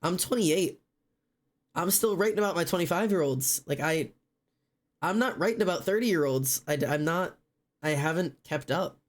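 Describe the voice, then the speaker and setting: A man's voice: a little high, animated, moderate pace. A man in his late twenties chatting casually and rambling as a streamer while drawing. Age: late 20s. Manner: chatty, rambling, many fillers.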